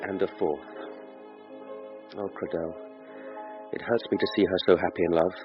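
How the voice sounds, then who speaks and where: An actor playing a jealous young clerk reading out a blunt, brooding letter in a radio drama. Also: male voice, low voice, fairly even intonation, normal speed, close to an everyday voice. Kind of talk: letter read as voice-over. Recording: dull broadcast audio with music.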